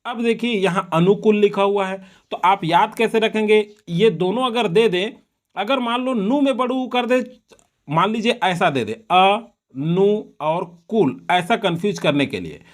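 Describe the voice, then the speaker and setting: A male teacher giving an exam-prep lesson on correct spelling, slowly repeating words to drill them. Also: sits high, lively intonation.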